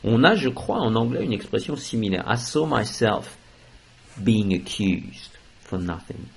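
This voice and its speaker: A man teaching a French grammar lesson, explaining slowly and stressing key words, switching into English for translations. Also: lowish voice, expressive, gravelly, husky, poor audio.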